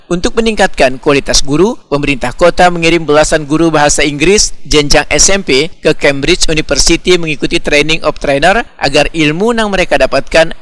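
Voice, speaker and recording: Male news voice-over, Banjar accent. Slightly high pitch, scripted formal read, dry studio-like sound. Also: a bit bright, no room sound. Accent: Banjar, South Kalimantan. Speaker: news narrator.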